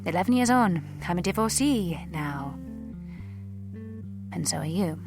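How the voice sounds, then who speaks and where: A woman playing a hurt, dignified, newly divorced wife, reading a letter in an audio drama in measured, formal short phrases. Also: fairly low pitch, animated, over music. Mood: resigned, bitter.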